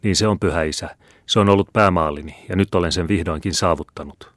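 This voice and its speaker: A man's voice: sits low, fairly bright tone, no echo, clean studio sound. A man voicing a frightened, humbled male prisoner who speaks in a trembling, pleading, subdued way in a storybook reading. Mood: humble.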